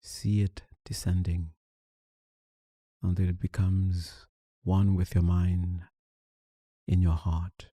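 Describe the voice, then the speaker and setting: A man leading a guided meditation, giving soothing, unhurried instructions with long pauses between phrases. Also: deep voice, flat delivery, dark tone, dry recording, clean studio sound. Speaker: meditation teacher.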